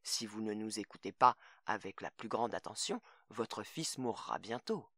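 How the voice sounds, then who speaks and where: A man playing a menacing swindler who talks in a calm, coldly insinuating way. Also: lowish voice, moderate pace, no room sound, studio quality.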